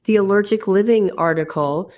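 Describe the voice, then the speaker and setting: A woman with a mid-range, slightly mellow voice speaks at normal speed while hosting an interview podcast from a hotel room. The chat is casual, and she's talkative and keen, though her voice is stuffy like she has a cold in her head.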